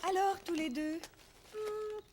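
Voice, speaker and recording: A woman's voice: very high voice, slow, darkish tone, slight background noise. A woman voicing a cheerful, caring mother of small children in a cartoon, in a motherly, teasing manner. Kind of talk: children's cartoon dub acting. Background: background music.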